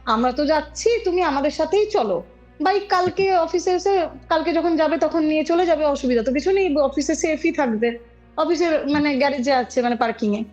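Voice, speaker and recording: A woman's voice: high voice, brisk, a little mellow. A woman telling an eerie story conversationally as a podcast guest, acting out quoted dialogue and checking back with her listener. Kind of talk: conversational storytelling of an eerie real-life incident. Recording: dull lo-fi audio with music behind. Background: music.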